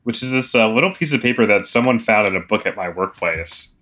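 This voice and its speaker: A young man co-hosting a casual podcast, dry and deadpan, precise about small details. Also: lowish voice, quick pace. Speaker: podcast co-host. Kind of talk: casual chat.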